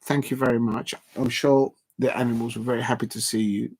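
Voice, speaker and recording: A man's voice: mid-range voice, little pitch movement, fairly quick, breathy edge. Rambling man signing off a stream. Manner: rambling, filler-heavy, reading out chat shout-outs. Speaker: football watch-along streamer. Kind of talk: casual late-night live stream wrap-up. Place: at home at night with a TV on.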